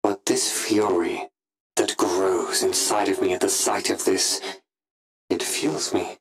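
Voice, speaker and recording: A man voicing an ambitious, brooding Sith Inquisitor in a pompous, deliberate, theatrical monologue for a scripted audio log. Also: low-pitched, fairly even intonation, poor audio. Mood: cold fury. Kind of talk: scripted in-character log narration.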